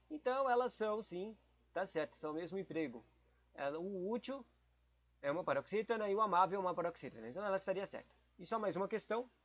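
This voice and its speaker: Guy studying grammar out loud, kinda high voice, mumbly and confused, dull lo-fi sound. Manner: casual, muttering, confused asides. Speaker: podcast host studying for exams. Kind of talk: thinking aloud while studying. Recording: dull lo-fi recording.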